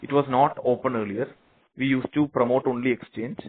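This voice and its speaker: A man's voice: medium pitch, fairly even intonation, brisk. A man with an Indian accent, a company executive answering investor questions on an earnings conference call. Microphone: conference call phone line. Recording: muffled narrow phone line.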